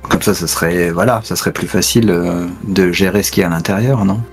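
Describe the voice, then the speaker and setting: A man's voice: deep voice, fast talker. A man playing a tabletop role-playing game, discussing it casually in a slightly hesitant, questioning way. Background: background music.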